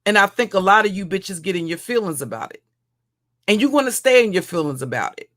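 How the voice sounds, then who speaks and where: Woman streamer, deep heavy voice, taunting and crude, loops back over her own lines. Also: expressive, fast talker, fairly bright tone. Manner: mocking, insulting, repeats and restarts phrases. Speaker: livestream commentator. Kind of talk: profane roast rant.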